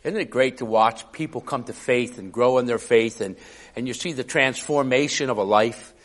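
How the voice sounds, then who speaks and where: Man, preacher, raspy, hoarse, coughing, conversational sermon, mid pitch. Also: normal speed. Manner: conversational, chuckling asides.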